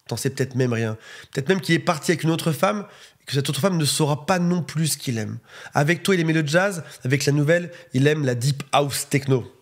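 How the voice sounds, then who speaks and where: A male relationship coach giving chatty advice straight to the viewer, with joking asides. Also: on the high side. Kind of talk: advice monologue to camera.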